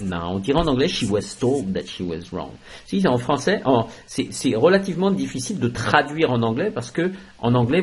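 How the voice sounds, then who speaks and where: A man teaching a French grammar lesson, explaining slowly and stressing key words, switching into English for translations. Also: mid-range voice, breathy edge, low-quality recording.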